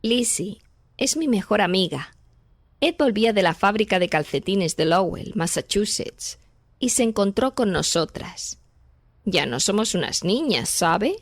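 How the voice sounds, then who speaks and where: Lively chatty young woman, voiced by an actress. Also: mid-range voice, a little slow, no room sound, clean studio sound. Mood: playful, proud. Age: young adult.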